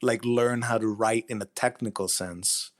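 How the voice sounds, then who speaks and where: A man being interviewed as a writer, explaining himself casually in a thoughtful, somewhat halting way. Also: mid-range voice, steady tone.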